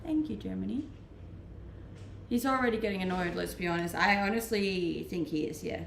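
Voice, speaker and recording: A woman's voice: mid-range voice, normal speed, gravelly, background noise. A woman with a Danish accent, chatting easily on a livestream from her rented home, reading out and answering viewer comments and laughing often. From Denmark. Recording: roomy echo.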